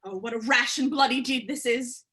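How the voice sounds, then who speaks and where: A woman's voice: a little high, moderate pace, pushed and bright. A woman playing an indignant, frightened queen and mother in a theatrical reading of Shakespearean verse. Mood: horrified. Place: remote livestream from home.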